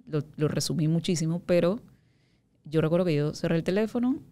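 Woman in her 30s, really low pitch and a warm, mellow tone, chatting openly as a guest, lots of "o sea" loops. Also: lively intonation, a little fast. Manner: frank, talks in long loops with many "o sea" asides. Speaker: interview guest. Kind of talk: candid conversational interview.

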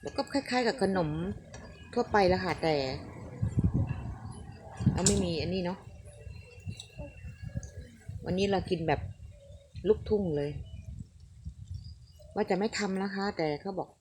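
A woman's voice: mid-range voice, slow, pauses often. An older woman, chatting to viewers while she demonstrates a home recipe and coaxes a grandchild to eat. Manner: chatty, addresses viewers, coaxes a child between steps. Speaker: home cooking vlogger. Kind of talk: casual cooking demonstration. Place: home kitchen. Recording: noisy frying sizzle behind. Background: oil sizzling in a pan.

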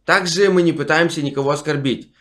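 A man's voice: a little high, a little fast, a bit bright. A young man, a vlogger, talking slyly and provocatively on a webcam video chat from a small room. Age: young adult. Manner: sly, teasing, provocative. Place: small room lit blue indoors. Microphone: webcam video call.

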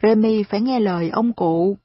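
A woman reading aloud voices a kind, gentle wealthy lady who speaks soothingly and reasons patiently, in a slightly husky voice on a dull recording. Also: mid-range voice, normal speed, dry recording, close to an everyday voice. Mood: gently persuasive.

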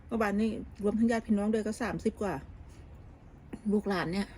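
A woman's voice: medium pitch, steady tone, brisk, a little mellow, a little hiss or hum. A woman vlogger, chatting casually and gossiping about family while cooking at home, often restarting her sentences. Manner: gossipy, talks with many restarts and fillers. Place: home kitchen abroad.

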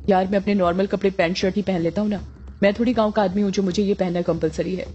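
A woman's voice: mid-range voice, steady tone, fast talker, a little mellow, muffled recording, a little hiss or hum, close to an everyday voice. A woman voicing a reluctant young man from the city who grumbles.

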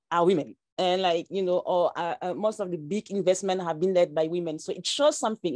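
A woman's voice: medium pitch, darkish tone, no echo. Hesitant woman founder on a video call. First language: French is not her first language. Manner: hesitant, many fillers and restarts. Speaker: startup founder. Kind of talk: panel discussion on a video call. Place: plain-walled room indoors.

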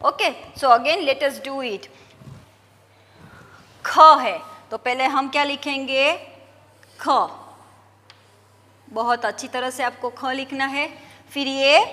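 A woman teacher works slowly and patiently through a lesson for young pupils, slipping English words into what she says. Her voice sits high with a sharp tone, and the sound is that of a big room.

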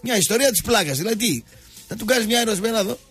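A man hosting a sports talk show, ranting sarcastically and mocking people, going from loud outbursts to low muttering. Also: animated, breathy edge, faint music behind. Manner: sarcastic, mocking, switches between shouting and muttering. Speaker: radio sports talk host. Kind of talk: ranting monologue.

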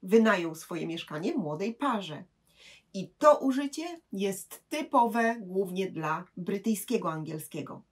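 A woman teaching English grammar, explaining patiently and saying English examples slowly and clearly. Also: medium pitch, lively intonation.

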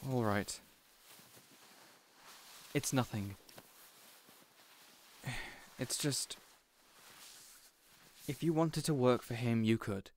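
A man's voice: mid-range voice, drawn-out words, pauses often, darkish tone, slight background noise. A man playing a considerate, awkward supervillain boss in an audio roleplay, conversational and a bit hesitant. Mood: subdued. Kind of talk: audio roleplay drama acting.

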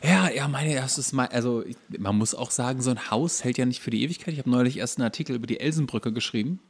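A man's voice: medium pitch, fast talker, husky. A man co-hosting a casual comedy podcast, chatting in a joking, rambling, ironic way. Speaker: podcast co-host.

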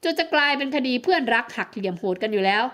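A woman's voice: fairly high pitch, animated, very fast, a bit bright. A woman reading a romance audiobook, voicing a thoughtful young male doctor reasoning casually with a friend. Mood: musing. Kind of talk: audiobook romance novel acting.

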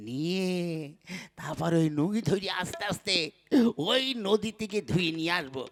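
Man voicing a bumbling village husband, puppet cartoon, high voice, loud and whiny. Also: expressive, normal speed, gravelly, exaggerated voice. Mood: groaning, panicked. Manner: loud calling, then groaning and whining. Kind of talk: puppet show voice acting.

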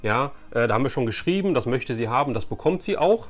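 A man's voice: mid-range voice, expressive, fast talker, background noise. A man in his forties hosting a casual vlog, chatting to viewers in a conversational, anecdotal way. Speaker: YouTube host, collector. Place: small indoor room with shelves of collectibles.

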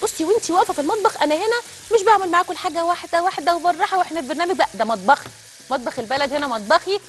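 A woman's voice: sits high, a bit bright. A woman with an Egyptian accent hosting a TV cooking show, chatting straight to viewers as she cooks in a studio kitchen. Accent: Egyptian Arabic. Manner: chatty, addresses viewers directly. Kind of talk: live cooking demonstration.

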